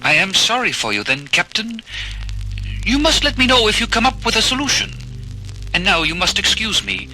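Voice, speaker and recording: A man's voice: high voice, big pitch swings, moderate pace, pushed and bright, full character voice, rough recording. An actor playing a formal, diplomatic male alien ambassador with polite speech in a 1970s audio drama. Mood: coolly dismissive. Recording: 1979 children's vinyl record, music behind.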